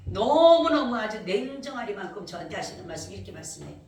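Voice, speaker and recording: A woman's voice: medium pitch, fast, distant mic. Emotional woman pastor, echoey church. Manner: emotional, animated storytelling, often rising loud. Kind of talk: emotional testimony sermon. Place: church service. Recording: echoey church from afar, faint noise.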